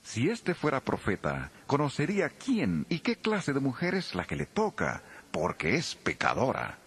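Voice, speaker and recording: A husky, swooping, skeptical Pharisee. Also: male voice, medium pitch, huge pitch swings, a little slow, a bit bright, exaggerated voice. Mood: disdainful. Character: skeptical Pharisee host, judgmental man murmuring to himself. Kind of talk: dramatized audio Bible acting.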